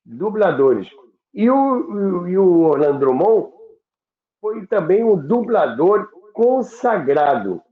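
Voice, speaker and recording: A Brazilian man hosting a reminiscing talk, halting and repeating words as he searches for them, on a roomy, dull recording. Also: high voice, very animated. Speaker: host of a radio history show.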